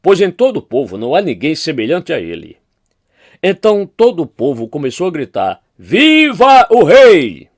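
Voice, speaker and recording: A man's voice: a little high, very animated, brisk, darkish tone, no room sound, clean studio sound. A man with a Brazilian Portuguese accent, a pastor reading Bible chapters aloud and lifting his voice for quoted speech.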